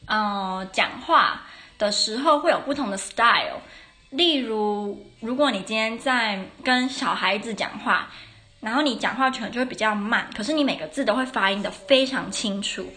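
A woman's voice: a little high, bright, forceful tone. A tired woman giving a casual podcast lesson on English phonetics, talking unhurriedly with many fillers and restarts.

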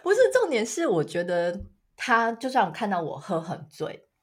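With a husky, mid-range voice at a moderate pace, a thirtysomething Taiwanese Mandarin-accented woman co-hosts a relaxed podcast. Her storytelling is animated, full of acted-out quotes and frequent laughter.

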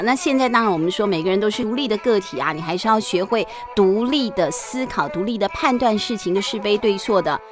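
Lively woman telling bedtime stories. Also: a little high. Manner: lively, chatty, asks the children questions. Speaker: bedtime storyteller. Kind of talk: reading a picture book aloud to children. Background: background music.

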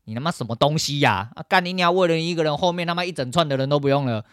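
A man's voice: on the high side, rapid-fire, fairly bright tone, smooth, no echo, studio quality. A man with a Taiwanese Mandarin accent hosting a solo podcast, ranting angrily and swearing constantly. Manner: angry, profane ranting. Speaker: podcast host.

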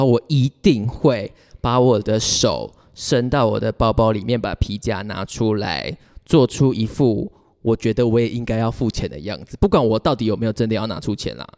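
A man speaks Mandarin with a Taiwanese accent in a very lively, swinging intonation. He tells stories casually, giggly and rambling, like a podcast co-host. His voice rings with a long reverb. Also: lowish voice, normal speed. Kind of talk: casual chat, personal storytelling. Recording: reverberant, hall-like sound.

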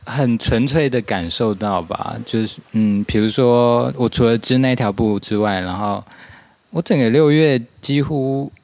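A man's voice: medium pitch, a little slow, darkish tone. A man with a Taiwanese Mandarin accent chatting casually. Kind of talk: casual chat.

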